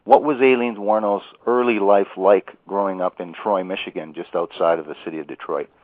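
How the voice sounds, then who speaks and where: A man hosting a radio interview, asking his questions haltingly, with pauses and filler words. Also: low voice, fairly even intonation, dry recording. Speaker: radio host. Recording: dry tinny phone-like audio.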